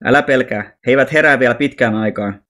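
A man voicing Ami, a calm fearless alien boy. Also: medium pitch, lightly acted. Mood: serene.

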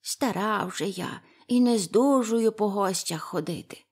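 Storybook figure: frail, bony old witch woman who complains in long, drawn-out words, read by a woman. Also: medium pitch, a little mellow, slightly rough. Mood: whining.

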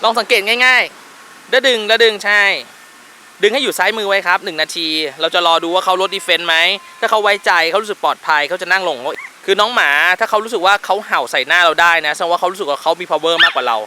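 A quick-talking man with a bright, sharp voice is coaching a dog owner outdoors. He gives firm, short commands and explains as he goes. Faint noise sits behind him. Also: sits high. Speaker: dog trainer. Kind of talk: on-location dog training instruction.

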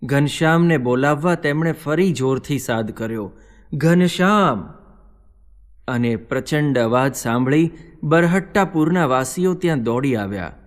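A man's voice: medium pitch, normal speed. Man narrating a dramatic religious story. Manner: solemn, vivid storytelling. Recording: long hall reverb.

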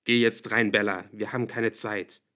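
A man voicing a protective young man who speaks low and quiet but with pressing urgency in a storybook reading. The voice stays close to the reader's own. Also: steady tone, takes it slowly, clear, resonant tone. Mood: urgent.

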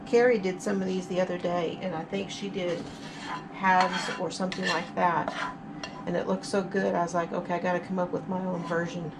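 A woman's voice: lowish voice, flat delivery, moderate pace, very noisy. A middle-aged woman hosting her cooking channel, chatting through each step as she cooks in her home kitchen. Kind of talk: casual cook-along narration.

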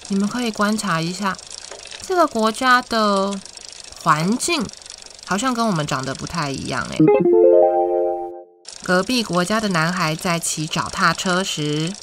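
A woman with a Taiwanese Mandarin accent hosts a children's story show, reading a picture book as if to a toddler in a sing-song way, with drawn-out words and questions to young listeners. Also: medium pitch. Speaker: children's storytelling podcast host. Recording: music behind the voice. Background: instrumental music.

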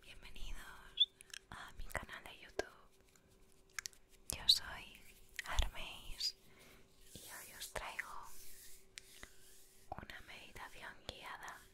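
Very slow whispering Spanish woman, ASMR. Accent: Spain. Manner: soothing, gentle, unhurried. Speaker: ASMR creator guiding meditation. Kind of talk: whispered ASMR guided meditation. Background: music.

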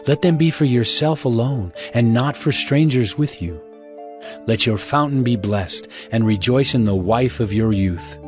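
A man's voice: mid-range voice, a little slow. A man giving a dramatized scripture reading as narrator, in a solemn, fatherly, exhorting manner. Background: music.

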